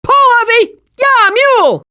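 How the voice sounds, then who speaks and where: A man voicing an excitable, scatterbrained, cheerful young male squirrel with a childlike, eager delivery in an animated video game. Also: extremely high pitch, measured pace, full character voice. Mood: giddy, excited.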